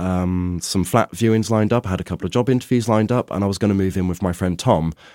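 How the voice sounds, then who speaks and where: A fairly low-pitched man with a southern English accent and fairly even intonation, on a very clean recording with a silent background. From southern England, Buckinghamshire. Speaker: voiceover artist. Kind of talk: casual interview chat.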